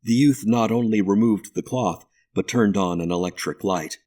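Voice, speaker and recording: A man narrating a ghost story audiobook in a measured, deliberate way. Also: on the low side, a little mellow.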